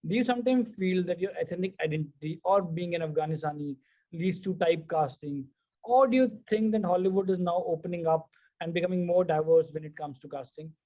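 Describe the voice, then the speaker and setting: A male interviewer with a high but mellow voice poses careful questions. The audio is muffled and lo-fi. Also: a little fast. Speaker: news channel interviewer. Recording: dull lo-fi audio.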